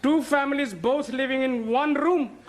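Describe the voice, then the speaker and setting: An actor playing a courteous, eager language student with a South Asian accent and formal broken English in a sitcom. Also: male voice, extremely high pitch, normal speed, heavy background noise. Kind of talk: sitcom acting.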